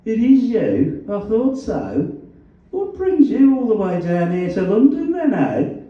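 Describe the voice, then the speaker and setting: Bloke doing a smug black country detective from the 70s, pitched up and mocking, roomy distant sound. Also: male voice, huge pitch swings, a little slow, full character voice. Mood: mocking recognition. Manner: loud, mocking, overfamiliar. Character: smug, needling male police detective sergeant, 1970s. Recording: echoey room, distant mic, muffled sound.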